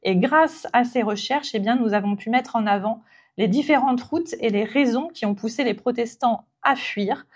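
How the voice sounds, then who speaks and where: A woman's voice: a little high, moderate pace. Hesitant woman giving a talk. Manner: hesitant, many fillers and restarts. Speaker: heritage centre speaker. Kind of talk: spontaneous public talk.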